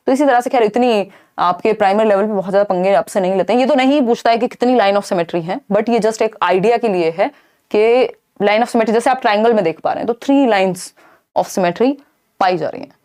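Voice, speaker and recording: A woman's voice: mid-range voice, normal speed, a little mellow. A young woman teaching an exam-prep lesson, explaining with rhetorical questions and mixing in English terms. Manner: explains in Hindi with English terms, asks and answers own questions.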